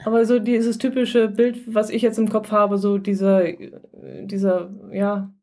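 A woman's voice: mid-range voice, a little slow. A woman hosting a podcast, talking casually and encouragingly with her mother. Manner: relaxed, encouraging, laughs often. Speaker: podcast host. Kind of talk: casual interview.

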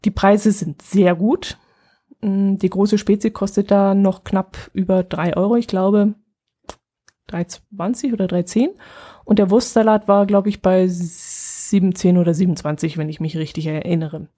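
Mellow-voiced woman hosting a chatty podcast. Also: mid-range voice, measured pace, husky. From Allgäu, Germany. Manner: chatty and relaxed, with frequent fillers and small laughs. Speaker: podcast host. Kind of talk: casual solo podcast chat.

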